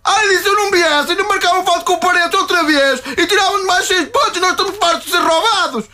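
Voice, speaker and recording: A man putting on a squeaky, shrill football club president with a European Portuguese accent, rambling and defensive, forever protesting and chuckling to himself. The voice sits extremely high and bright and cutting, a radio comedy caricature. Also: quick pace, exaggerated voice. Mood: indignant. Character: blustering provincial male football club president.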